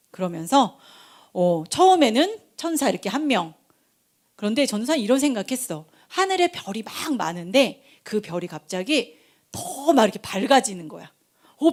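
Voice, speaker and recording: A middle-aged woman, a junior pastor, giving a chatty sermon to children at a night prayer meeting and talking to them directly. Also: medium pitch. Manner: lively, chatty, switching between polite and casual speech to the kids.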